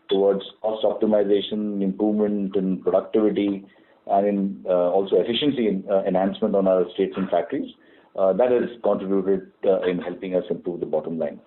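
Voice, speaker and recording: A man giving a formal, prepared business report as an executive on a conference call, speaking haltingly with frequent uhs. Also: low-pitched. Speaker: company executive presenting quarterly results. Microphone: telephone conference call. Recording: muffled narrow-band phone line.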